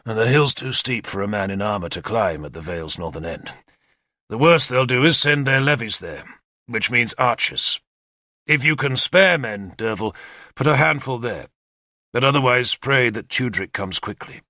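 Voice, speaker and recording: A man voicing a confident, energetic male war leader who lays out battle plans decisively. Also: mid-range voice, moderate pace, no room sound, clean studio sound. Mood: commanding. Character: bold confident male warlord commander.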